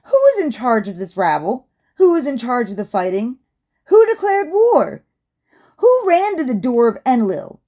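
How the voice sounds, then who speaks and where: At a moderate pace and a high pitch, a woman talks in a put-on character voice. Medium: read story.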